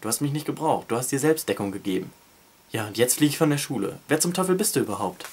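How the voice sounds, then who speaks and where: Man reading as a sharp-tongued schoolgirl. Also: mid-range voice, animated, fast talker, slight background noise, close to an everyday voice. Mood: snappy, annoyed.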